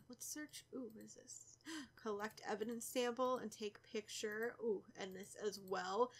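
A young woman with a cold, stuffy and a little raspy, chatting casually through a let's play and teasing the characters. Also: fairly high pitch, a bit bright. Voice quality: slightly raspy. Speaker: gaming YouTuber.

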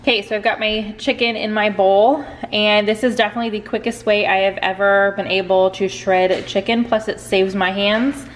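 A woman's voice: medium pitch, level tone, moderate pace, few pauses, a little hiss or hum. A woman in her thirties hosting a cooking vlog in her home kitchen, chatty and upbeat as she talks viewers through each step. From United States. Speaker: cooking channel host. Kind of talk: casual cook-along vlog. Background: dishwasher running in the background.

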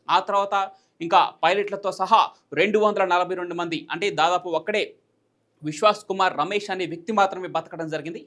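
High-pitched, fast-talking Telugu man presenting news. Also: fairly bright tone. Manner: repeats and rephrases points in everyday terms, mixing in English words. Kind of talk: explanatory news commentary.

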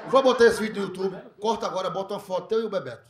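A man doing a crude, animated stand-up comedy set, slipping into mock foreign voices as he tells his story. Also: high voice, racing. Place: comedy club stage with a live audience. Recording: echoey room, loud crowd laughter.

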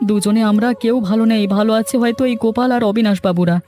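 A man voicing a whining, self-pitying cartoon schemer who has been brought low. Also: steady tone, fast, warm tone, soft background music, lightly acted. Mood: sorry, bitter. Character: whining, town-educated male schemer, later regretful beggar.

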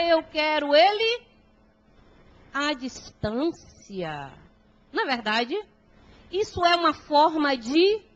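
A Brazilian woman with a Brazilian Portuguese accent delivers a gospel lecture in a large auditorium, holding a handheld microphone. Her voice sits high, and she takes her time, leaning on words and turning to the audience with questions. The recording sounds muffled and lo-fi. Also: fairly bright tone. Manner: slow, emphatic, with rhetorical questions to the audience. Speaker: spiritist lecturer. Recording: dull lo-fi hall recording.

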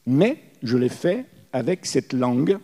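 A man's voice: mid-range voice, big pitch swings, measured pace, dark tone. Italian-accented man in his sixties. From Italy. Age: 60s. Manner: storytelling, many fillers and restarts. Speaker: panel guest. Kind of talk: anecdotal panel talk. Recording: hall reverb.

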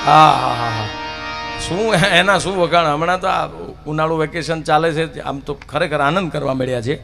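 High, bright storyteller man. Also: moderate pace, faint music behind. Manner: lively, animated, swings between loud and hushed. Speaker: folk storyteller. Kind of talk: live devotional storytelling with jokes. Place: live outdoor stage event.

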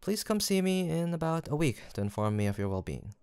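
A man playing a gentle, kindly young village apothecary in a soft roleplay audio drama, speaking politely and formally with attentive reassurance. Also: a little high, very animated, brisk, clean tone, dry recording.

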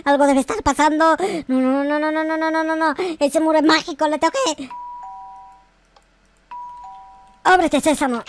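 A man voicing a naive, excitable little boy in a Minecraft roleplay, with a childlike voice and a stammering, repetitive, exclaiming delivery. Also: brisk, dry recording, soft background music. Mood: panicked. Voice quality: high, childlike put-on voice. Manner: stammering, repeating words, exclaiming. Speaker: gaming YouTuber. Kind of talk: improvised Minecraft roleplay commentary.

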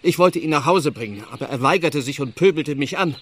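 Higher-voiced, pious village reverend. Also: male voice, lively intonation, a little fast, a bit bright, a little hiss or hum. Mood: shaken. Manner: formal, courteous. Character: pious, courteous male Anglican village reverend. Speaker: actor in audio drama. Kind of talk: German radio play acting.

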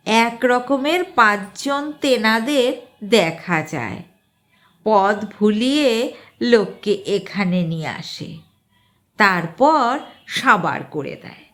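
A woman's voice: fairly high pitch, a bit bright, exaggerated voice. A woman voicing a plain-spoken village fisherman in a folksy way.

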